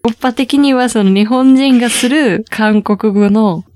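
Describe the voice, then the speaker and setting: A woman's voice: on the high side, measured pace, a little mellow, no echo. A woman hosting a casual Korean lesson, explaining patiently and lifting her voice on key words. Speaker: Korean language teacher host. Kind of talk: casual language lesson chat.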